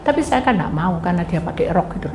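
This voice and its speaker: A woman's voice: lowish voice, expressive, fast, darkish tone. A middle-aged woman pastor preaching a sermon, telling stories and acting out voices as she addresses her congregation. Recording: echoey room, faint ambient noise.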